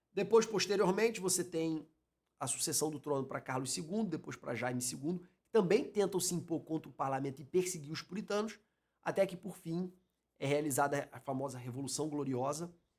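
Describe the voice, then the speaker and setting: Speaking at a fairly quick pace, a man with a fairly high voice shows ordinary pitch variation and big swings in loudness. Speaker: evangelist and Bible school teacher. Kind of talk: lecture. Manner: fast.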